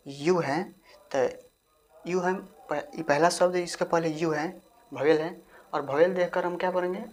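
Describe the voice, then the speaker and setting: Lady teacher, pretty low voice, repeats stuff and keeps quizzing you. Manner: repetitive, keeps asking the viewer questions. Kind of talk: classroom-style grammar lesson.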